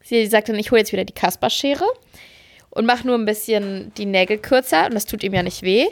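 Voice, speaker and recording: A woman co-hosting a podcast, chatting casually and telling stories in a lively, self-mocking way. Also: medium pitch, a little fast. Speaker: podcast co-host. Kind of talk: casual chat.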